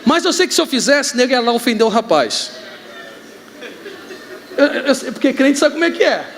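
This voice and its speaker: A man with a Brazilian accent, a pastor preaching a sermon, joking and telling stories with sudden shouts. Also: very high-pitched, normal speed. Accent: Brazilian Portuguese. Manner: joking, animated storytelling with shouts. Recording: reverberant hall, faint ambience.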